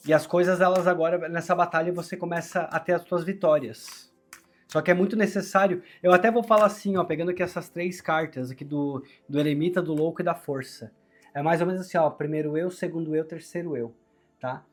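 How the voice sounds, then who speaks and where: A man's voice: on the high side, steady tone, brisk, faint music behind. A Brazilian man with a sore throat, forcing his strained voice as he gives a conversational, encouraging tarot reading to viewers. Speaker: tarot reader, channel host.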